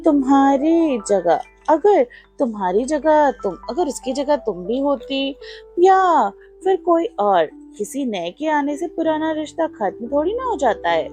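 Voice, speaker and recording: A woman's voice: high voice, very animated, a little slow, dark tone. A woman voicing a cheerful young female student who teases and soothes her jealous friend, with faint music behind. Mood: coaxing. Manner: teasing, soothing, affectionate.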